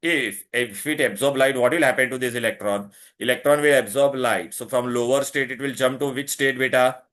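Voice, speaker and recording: Here a male chemistry tutor with a South Asian accent runs an interactive lesson at high speed in mixed English and Hindi. With a fairly bright, mid-pitched voice, he reiterates the essentials and constantly tests understanding through brief questions.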